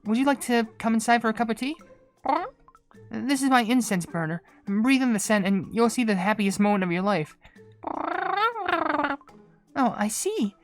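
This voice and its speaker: Woman acting out a gentle, courteous young incense maker. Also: on the high side, normal speed, pauses often, close to an everyday voice. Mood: polite, curious. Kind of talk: reading game dialogue aloud in character. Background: game music.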